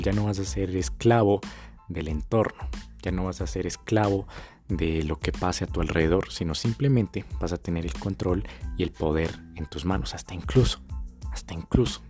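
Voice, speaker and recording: A man's voice: low-pitched, darkish tone. A man giving a motivational monologue as a confidence coach, emphatic and repetitive, with slangy phrasing.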